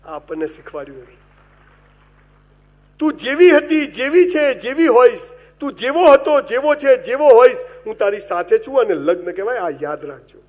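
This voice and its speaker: Male motivational speaker, high-pitched, lively comic storyteller whose loudness jumps and drops as he talks to the crowd. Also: normal speed. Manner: animated comic storytelling with wide swings in loudness; addresses the audience directly and gives advice. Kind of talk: humorous motivational speech.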